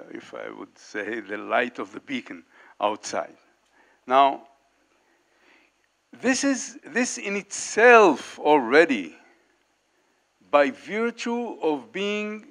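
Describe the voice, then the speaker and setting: Halting older man on a handheld mic. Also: medium pitch, a bit bright. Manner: halting, many fillers and restarts, gestures while talking. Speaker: panelist. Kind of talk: unscripted panel remarks. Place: large indoor meeting hall, panel table.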